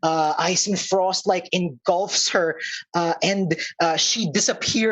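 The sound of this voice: A reading voice, unforced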